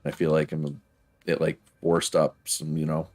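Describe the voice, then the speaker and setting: Streaming a factory-building game, a man thinks out loud casually, chuckling frequently through a stuffed-up nose. His very deep voice is dark-toned and level, at a moderate pace.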